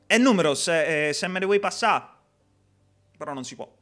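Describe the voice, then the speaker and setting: A man's voice: on the high side, animated, moderate pace, a bit bright, soft background music. A young man hosting a live gameplay stream, chatting and reading viewer comments in a jokey way. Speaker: game streamer.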